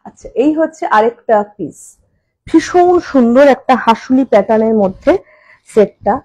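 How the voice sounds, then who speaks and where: A woman selling jewellery on a live stream. She says each price slowly and more than once, and chats quickly in between. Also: on the high side, expressive, warm tone, poor audio. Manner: repeats prices slowly, then chats fast in bursts. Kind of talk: live-stream sales talk. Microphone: phone camera.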